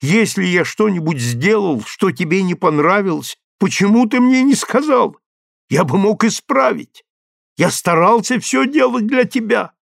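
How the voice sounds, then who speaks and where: A man's voice: high-pitched, lively intonation, unhurried, creaky, a bit bright, no room sound, clean studio sound, pitched above the performer's own voice, heavily acted. A man voicing a desperate, tearful husband who pleads with his wife in a rising, imploring voice. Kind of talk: audiobook character reading.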